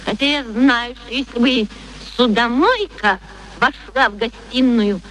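A woman's voice: fairly high pitch, lively intonation, unhurried, fairly bright tone, rough recording. An actress playing a proud young former street girl turned lady, speaking with mannered, pointed politeness in a radio play. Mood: earnest, dignified. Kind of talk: theatrical radio play acting. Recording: faint background noise, archive radio recording.

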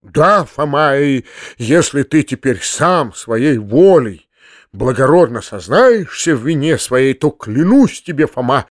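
A man's voice: medium pitch, sing-song, takes it slowly, dry recording, studio quality. A man reading a flustered, kindly uncle who pleads earnestly and stumbles over his words. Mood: pleading. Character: flustered, kindly middle-aged landowner uncle.

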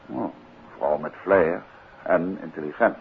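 An actor playing an urbane, confident amateur detective in a 1950s Dutch radio play, with a Netherlands accent. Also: male voice, low-pitched, measured pace, gravelly. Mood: wry, relaxed. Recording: muffled noisy 1950s radio recording.

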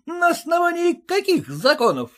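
A pompous, legalistic husband, voiced by a man who lectures and sneers in a high, strained voice. He talks in a pedantic way and blusters. His pitch swings widely as he rants. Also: wildly swooping pitch, normal speed, a bit bright, heavily acted.

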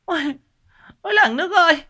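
A man's voice: extremely high pitch, lively intonation, fairly quick, sharp tone, voice pushed up, full character voice. A man voicing a vicious older village wife who shrieks and curses coarsely. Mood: wailing. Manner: shrieking, wailing, coarse cursing.

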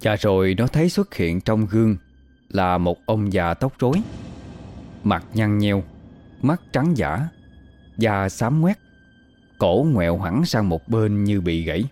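A man telling a horror story in slow, even, suspenseful narration. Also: fairly low pitch, a little hiss or hum. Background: faint music.

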